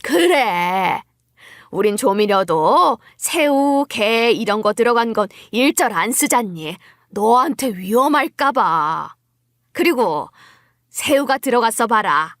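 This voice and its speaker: Slow, swooping scheming mother-in-law, acted by a woman. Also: fairly high pitch, animated, fairly bright tone, no echo, studio quality, full character voice. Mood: feigned surprise. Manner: coaxing, feigning innocence, drawn-out exclamations. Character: scheming middle-aged mother-in-law, falsely sweet, coaxing. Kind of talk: dramatised audio story acting.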